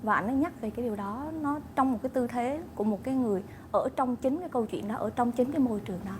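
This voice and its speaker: A woman's voice: on the high side, very fast, music in the background. A woman giving an emphatic spoken comment for a TV feature. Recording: noisy background.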